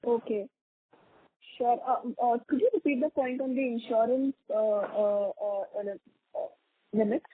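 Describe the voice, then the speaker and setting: A woman, an analyst asking questions on an earnings call in a hesitant, halting way. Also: a little high, fairly even intonation, breathy edge, dry recording. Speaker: investment analyst caller. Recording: dry, narrow phone line.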